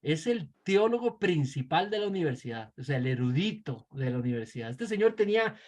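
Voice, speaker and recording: Pitched a little high and slightly mellow, this middle-aged man from Costa Rica talks fairly quickly with big pitch swings. He lectures on theology in a casual way, sharing a personal anecdote and leaning on fillers and "¿verdad?" tags.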